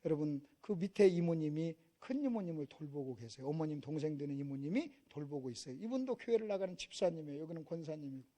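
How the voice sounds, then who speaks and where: A middle-aged man from Korea preaching a revival sermon in a church, passionate and swinging from hushed storytelling to shouting. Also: a little high. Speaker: pastor. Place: church sanctuary.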